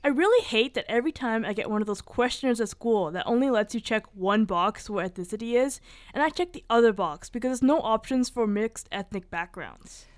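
A woman's voice: a little high, expressive, fairly quick, close to an everyday voice. A young woman playing an earnest young woman who keeps questioning where she belongs, in an amateur audio drama. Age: young adult. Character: young mixed-race woman, searching and earnest.

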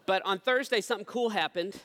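A man's voice: sits high, fairly quick, pushed and bright, long reverb tail. A young man, preaching a sermon in a conversational, self-deprecating way. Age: 20s. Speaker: pastor.

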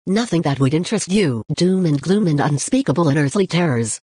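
A woman playing a deadpan, dismissive demon in a comedy horror skit, with a husky voice. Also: low-pitched, fairly quick, background noise.

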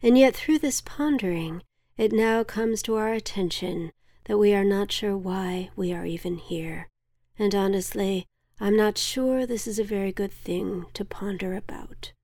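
A woman voicing a calm, steady village elder who speaks in measured, soothing tones. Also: mid-range voice, no echo, studio quality. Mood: grave.

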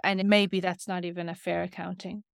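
A woman's voice: lowish voice, flat delivery, moderate pace, creaky, dry recording, clean studio sound. A woman interviewer voicing long, articulate, thoughtful reflections for her guest.

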